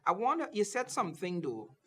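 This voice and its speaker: This is a jovial male host with a fairly high voice, interviewing a guest on a political talk show. He teases his guest and keeps the talk going with a stream of quick affirmations. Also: wildly swooping pitch, bright, forceful tone, breathy edge. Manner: jovial, joking, repeats "okay" and "wow".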